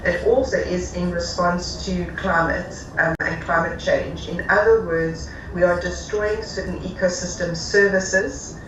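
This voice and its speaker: A woman makes her point on a panel, pausing to search for the right words. Her lower voice is picked up from afar in a reverberant hall. The hall noise is clearly present. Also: steady tone, muffled recording. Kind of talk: panel discussion. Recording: echoey hall, distant mic, noisy.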